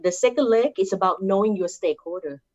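Speaking fast in a mid-range, slightly mellow voice, this Thai-accented woman from Thailand offers earnest career guidance as an interview guest. She tends to close her points with "right?" and restates them as tag questions. The sound quality is lo-fi.

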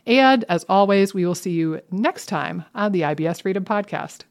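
A woman's mid-range, expressive voice moves at normal speed as she co-hosts a podcast over a webcam mic. Her casual banter is playful and punctuated by dramatic asides.

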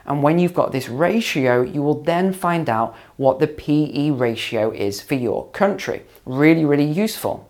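A man hosting his own finance channel, slightly hoarse after long calls, explaining to camera in a conversational way with ums and repeats. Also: mid-range voice, a little mellow. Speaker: finance video host and mentor.

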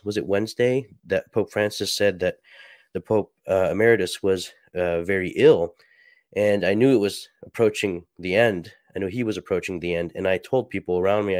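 Low, stuffy-sounding man speaking softly. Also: no echo, studio quality. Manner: soft-spoken, halting with many fillers. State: stuffy, a little sick. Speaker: podcast host. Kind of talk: reflective solo talk and reading aloud.

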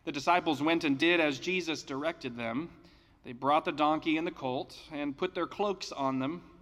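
A male pastor reading scripture and preaching a sermon in a measured, deliberate way, recorded in a church sanctuary. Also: fairly high pitch, a bit bright, big-room sound.

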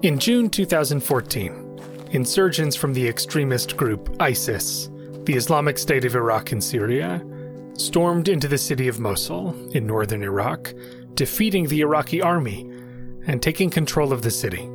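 A man hosting a podcast, narrating a scripted story in a measured, clear way. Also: medium pitch, lively intonation, over music. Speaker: podcast host.

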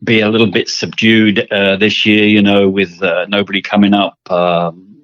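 Older English man, rambling and relaxed. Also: fairly low pitch, normal speed, no echo, highs cut off. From England. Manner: rambling, repeats words, many fillers. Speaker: guest. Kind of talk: casual interview.

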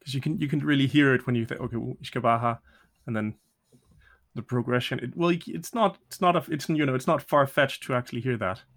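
A man's voice: mid-range voice, quick pace, a bit bright. A man interviewing a guest as host, in a casual conversational style.

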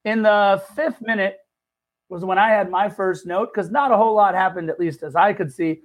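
A man co-hosting a casual sports podcast, throwing in quick jokes and teasing his partner. His voice sits notably high for a man. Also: fairly even intonation. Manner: wisecracking, teasing. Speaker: podcast co-host.

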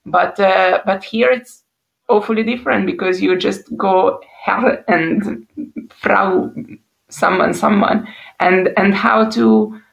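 A woman with a Hungarian accent hosts the chat, her voice gravelly with frequent fry. She speaks casually and thinks out loud, circling back over her words. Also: medium pitch, fairly even intonation, slow pace, lo-fi sound. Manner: chatty, thinks aloud. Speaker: podcast host.

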